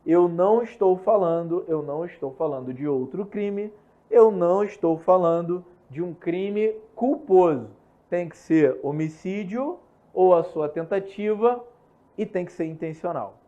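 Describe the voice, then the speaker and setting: High-voiced Brazilian man teaching energetically. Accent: Brazilian Portuguese. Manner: energetic, repeats key points, checks in often with quick questions. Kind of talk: recorded online law lesson. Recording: slightly muffled lo-fi recording.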